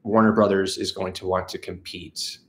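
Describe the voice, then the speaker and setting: A man's voice: low-pitched, level tone, moderate pace, a little hiss or hum. A man in his thirties, stuffed up from allergies, chatting casually with viewers on a livestream from his living room. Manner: chatty, upbeat, reads out viewer messages. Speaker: channel host. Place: living room with a couch, indoors. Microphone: camera facing him at close range.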